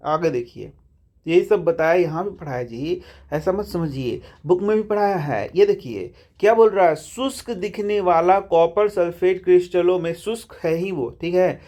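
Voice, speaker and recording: In a chatty science lesson taken line by line from the textbook, a man with a high-sitting, darkish voice calls his students bhai, meaning brother. He asks them questions and then supplies the answers himself.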